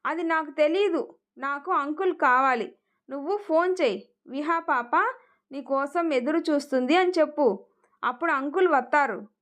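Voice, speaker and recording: A woman voicing a sweet, pleading little girl in a storybook tale, speaking slowly and childlike. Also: a bit bright. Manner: slow, high, childlike pleading.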